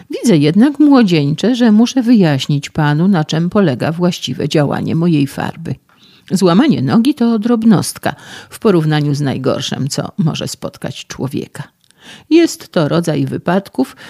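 A man's voice: fairly high pitch, vocal fry, a little mellow, voice pushed up, heavily acted. A man voicing a preachy, patronizing physician. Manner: sermonizing, patronizing. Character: self-assured, lecturing older male physician. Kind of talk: audiobook reading.

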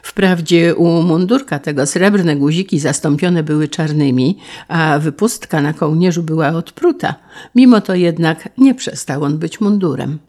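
An audiobook narrator reading a classic novel in a measured, even storytelling manner. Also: medium pitch.

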